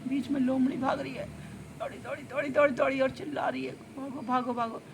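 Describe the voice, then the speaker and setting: A woman telling a children's story, animated, with spoken sound effects. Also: sits high, fast talker, creaky. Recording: noisy background.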